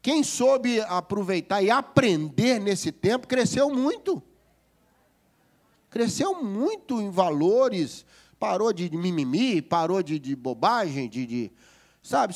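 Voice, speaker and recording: A man with a Brazilian Portuguese accent preaching a humorous sermon as a pastor, lively and joking, often asking the congregation whether they agree. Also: high-pitched.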